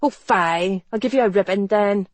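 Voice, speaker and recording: A woman voicing a sharp-tongued, indignant young Irish street peddler in a storybook, scolding and cheeky. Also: medium pitch, moderate pace, no room sound, pitched above the performer's own voice, close to an everyday voice. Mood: scornful.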